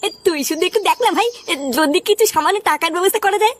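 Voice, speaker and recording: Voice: extremely high pitch, rapid-fire, no echo. A performer voicing a hot-tempered, foul-mouthed village youth in a comic cartoon, whiny and slangy. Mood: eager, pushy.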